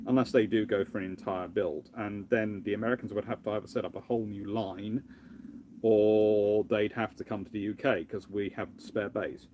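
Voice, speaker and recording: A British man with a fairly deep voice talks casually as the host of a live question session. He wanders through his answers, often breaking off and starting a phrase again. There is audible background noise on the recording. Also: fairly even intonation, moderate pace, a little mellow. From United Kingdom. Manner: rambling, discursive, often breaking off to restart phrases. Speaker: livestream host, history lecturer.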